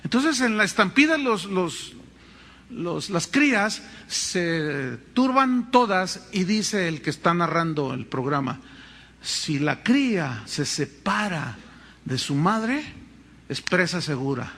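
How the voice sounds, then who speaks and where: A Mexican man preaching a sermon from the pulpit. His pitch is high and swings widely as he tells dramatic stories. His voice has a bright, forceful edge. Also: unhurried. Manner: animated, dramatic storytelling with acted voices. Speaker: pastor.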